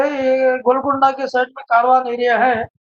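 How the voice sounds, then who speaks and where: A man speaks in a Marathi accent. His voice is extremely high. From Hyderabad, India. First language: Marathi (speaking Hindi). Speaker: official language trainer. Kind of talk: online training session. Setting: online session from home.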